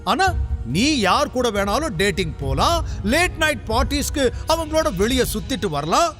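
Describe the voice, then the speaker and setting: An exasperated young husband pushes back, firm and sarcastic, his voice swinging widely, as a man puts him on. The talk is quick and pressing in this audio drama. Faint music runs behind him. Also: very high voice, very animated, fairly bright tone, voice pushed up, full character voice. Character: irritated young husband defending himself.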